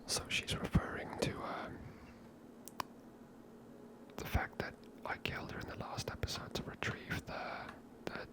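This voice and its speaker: A woman whispers breathily in a hushed, casual, musing way as she hosts an ASMR video game playthrough. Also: measured pace. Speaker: host of a gameplay series. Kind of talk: ASMR gameplay commentary.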